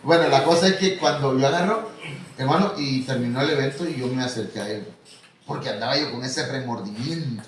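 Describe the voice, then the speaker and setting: A man's voice: medium pitch, brisk. Man, Mexican Spanish accent, pastor, casual storytelling sermon, very echoey room, distant from the mic. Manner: conversational, tells anecdotes, addresses listeners as hermano. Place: church hall. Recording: echoey hall from far off, faint noise.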